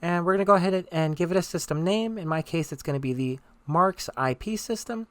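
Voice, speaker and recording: Dry close-miked software tutorial narrator. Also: medium pitch, a little fast, no echo. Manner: instructional, conversational. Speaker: tutorial presenter.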